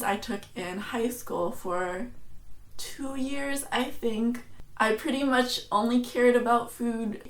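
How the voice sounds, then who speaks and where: A woman's voice: medium pitch, reverberant, low-quality recording. An American woman in her twenties from San Francisco, chatting to camera as a travel and food vlogger and joking about herself. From San Francisco, USA. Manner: chatty and self-deprecating, laughs at herself. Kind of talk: casual chat to camera.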